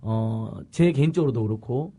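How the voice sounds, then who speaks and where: A man hosting a political talk interview, telling stories with animated, laughing delivery. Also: medium pitch, moderate pace, husky. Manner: animated, with laughter, tells anecdotes. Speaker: host.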